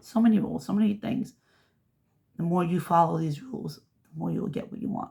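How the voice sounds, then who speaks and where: Her voice is a dark, mellow medium pitch with vocal fry and ordinary pitch variation. The woman talks at a very fast pace, broken by long, frequent pauses. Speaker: law of attraction vlogger and author. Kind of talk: casual monologue vlog.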